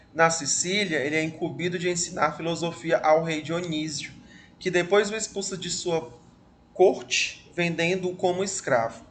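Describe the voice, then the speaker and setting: The speaker is a man with a high pitch. Noticeable background noise runs behind him. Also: ordinary pitch variation, moderate pace. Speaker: school philosophy teacher. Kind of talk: video lesson for pupils. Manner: warm, affectionate address to students; halting with fillers and repetitions.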